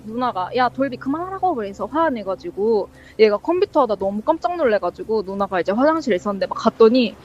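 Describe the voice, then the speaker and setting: A woman's voice: medium pitch, animated, brisk, few pauses, a little mellow. A woman casually telling a ghost story as a guest, rambling and full of fillers, acting out the lines she quotes. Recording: dull lo-fi sound.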